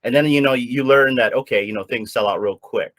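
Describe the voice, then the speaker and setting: A man's voice: mid-range voice, brisk, fairly bright tone, no room sound. A man from Hawaii chatting casually on a panel, a little nervous, stammering and rambling. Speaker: guest panelist. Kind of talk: casual chat.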